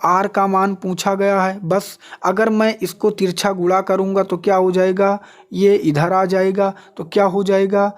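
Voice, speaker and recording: An exam coaching teacher from India walks through a maths and physics lesson step by step, frequently posing questions and answering them himself. His voice sits high, with a level tone and a measured pace.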